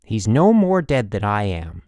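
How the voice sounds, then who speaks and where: A man's voice: lowish voice, very animated, a little slow, darkish tone, no room sound. Man voicing a chatty, stubborn old country woman. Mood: insistent, defiant. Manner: folksy, rambling, emphatic storytelling. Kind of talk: audiobook character dialogue.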